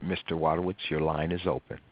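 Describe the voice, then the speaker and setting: Deep-voiced male call operator. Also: little pitch movement, fast, no echo. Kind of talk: formal scripted announcements. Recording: dry, dull call audio.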